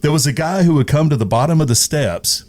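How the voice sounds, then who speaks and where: A man's voice: a little high, animated, fairly quick, darkish tone. A middle-aged man from East Texas chatting casually as a guest, telling anecdotes in a good-humoured way. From East Texas, United States. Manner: good-humoured, chuckles through his stories. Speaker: guest, veteran radio personality.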